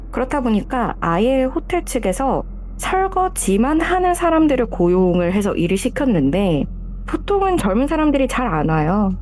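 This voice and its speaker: A woman from South Korea who calls in to tell her own true horror story, narrating it in a calm, measured way. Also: a little high, slight background noise. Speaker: caller sharing her story.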